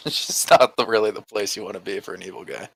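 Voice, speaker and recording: A man's voice: fairly low pitch, fast talker, gravelly, a bit bright, husky, no echo. A man playing a tabletop role-playing game, describing his moves in casual, slangy chat.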